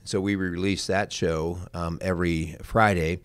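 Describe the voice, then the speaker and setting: A man's voice: deep voice, fairly even intonation, unhurried, clean tone, no echo. An American man in his fifties co-hosting a casual family radio talk show, plain-spoken, repeating points for emphasis. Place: small wood-panelled studio. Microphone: close studio mic on boom arm, with headset.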